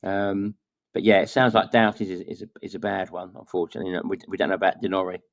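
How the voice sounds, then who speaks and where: A man giving measured, conversational football analysis as a podcast guest. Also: low-pitched, level tone, no echo. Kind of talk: casual football chat.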